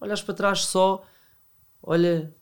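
A man is speaking. His pace is fairly slow. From Portugal, Salvaterra de Magos (Ribatejo). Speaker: reality TV contestant. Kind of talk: casual chat. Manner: halting.

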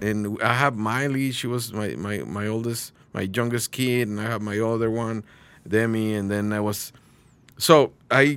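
In a very clean recording with a silent background, a man of medium pitch speaks at a moderate pace with a Mexican accent and ordinary pitch variation. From Mexico. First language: Spanish. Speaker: pastor and recording artist. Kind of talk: casual chat. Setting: studio. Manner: halting.

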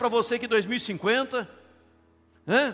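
A man speaks at an extremely high pitch with a bright, sharp tone. His pace is very slow. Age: 50s. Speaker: pastor. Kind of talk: sermon.

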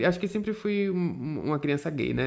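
With a normal speaking voice, a man talks at a fairly high pitch and ordinary pitch variation. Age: 20s. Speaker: podcast co-host. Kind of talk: casual chat.

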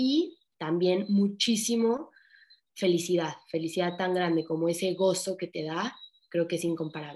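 This is a woman with an ordinary speaking voice, fairly low in pitch. She talks at a fairly slow pace with ordinary pitch variation. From Mexico, Veracruz. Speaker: Olympic kayaker. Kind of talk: interview.

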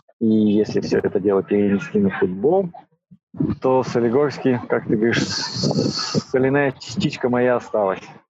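A man in a normal speaking voice keeps his loudness very even, speaking at medium pitch and a moderate pace with lively intonation. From Russia, Urals (Nizhny Tagil). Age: 40s. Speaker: footballer. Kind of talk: casual interview. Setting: video call.

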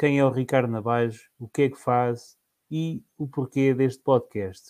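Over a silent background in a very clean recording, a man with a medium pitch and a dark, mellow tone speaks at a very slow pace with fairly even intonation. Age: 30s. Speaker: podcast host and rural entrepreneur. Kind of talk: solo podcast monologue.

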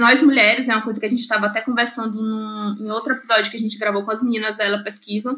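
A woman speaks in a fairly high, bright and sharp tone with monotone, flat intonation. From Piauí, Brazil. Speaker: podcaster. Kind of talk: casual chat.

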